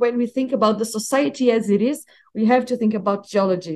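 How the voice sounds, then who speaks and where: A woman's fairly high voice in a Portuguese accent at a moderate pace. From Brazil. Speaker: geologist. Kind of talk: interview. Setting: remote recording.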